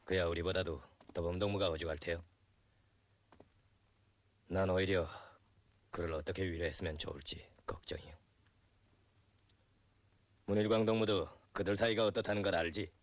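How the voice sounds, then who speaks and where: An actor playing an earnest, comradely revolutionary leader in a period film, with a North Korean accent and a solemn, weighty delivery. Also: male voice, low-pitched, fairly even intonation, normal speed, long pauses, natural voice. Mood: grave, subdued.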